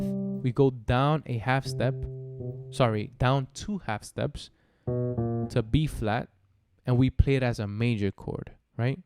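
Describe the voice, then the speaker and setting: A man giving a casual piano lesson, explaining step by step in a halting way with frequent check-ins. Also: mid-range voice. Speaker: piano tutor. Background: piano chords played alongside the voice.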